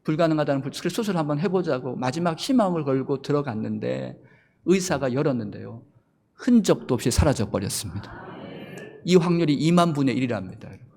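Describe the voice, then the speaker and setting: A man preaching a Sunday sermon as pastor, telling a story that swells from soft passages to loud climaxes. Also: on the high side, expressive, a little fast, creaky. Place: church sanctuary. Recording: long church reverb.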